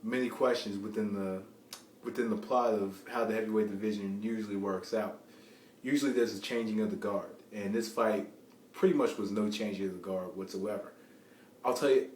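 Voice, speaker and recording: Male amateur boxing commentator, rambling and repetitive, fairly low voice, recorded off-mic with faint noise. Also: darkish tone. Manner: rambling, halting, repeats phrases to restart. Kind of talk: informal unscripted sports commentary. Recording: roomy, distant mic, faint background noise.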